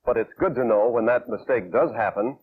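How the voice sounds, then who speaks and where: A man's voice: medium pitch, a little fast, husky. An American man presenting an instructional demonstration, explaining methodically and speaking directly to the viewer as an instructor in a 1960s training film. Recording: tinny, band-limited vintage 1960s film soundtrack.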